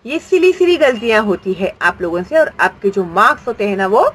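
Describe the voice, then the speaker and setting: A woman's voice: medium pitch, big pitch swings, a little fast, husky, poor audio. A woman teaching a grammar lesson, patient and explanatory, asking questions and answering them herself.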